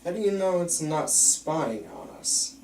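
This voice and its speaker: A man's voice: fairly high pitch, expressive, a little slow, a little mellow. A man playing a nervous, distrustful patient at a film script table read in an echoey room. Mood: uneasy. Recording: roomy, distant mic, faint room noise.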